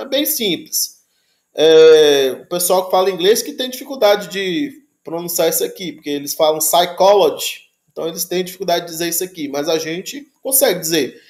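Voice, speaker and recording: Man, teacher, slow patient lecture, higher voice, echoey room. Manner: patient, repeats sounds slowly, checks understanding often. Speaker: Greek language teacher. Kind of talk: classroom lecture on pronunciation.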